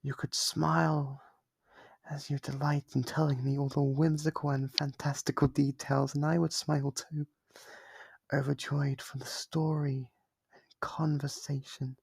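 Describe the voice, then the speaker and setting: A man playing a lonely, devoted and obsessive demon in an intimate ASMR roleplay, coaxing and tender with hesitant pauses. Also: fairly high pitch, level tone, vocal fry, darkish tone, slightly rough, no echo, full character voice. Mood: yearning, coaxing.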